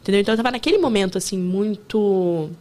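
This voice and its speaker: A woman chatting candidly as a guest, telling stories quickly and openly. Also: mid-range voice, dark tone. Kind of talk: casual chat.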